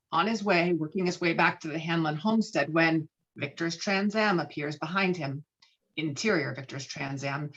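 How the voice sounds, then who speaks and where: A woman narrates a screenplay, reading out scene headings and action. Her voice sits fairly low, and the audio is a little dull and lo-fi. It has the feel of a scripted table read. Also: a bit bright. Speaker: narrator reading stage directions.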